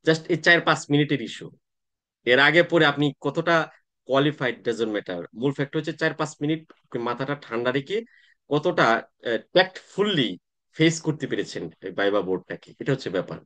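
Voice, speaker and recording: Man, coaching instructor, online class lecture, conversational, hesitant pauses. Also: a little high, lively intonation, a bit bright. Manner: conversational teaching with frequent "তাই না?" check-ins and hesitations. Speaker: tax exam coaching instructor.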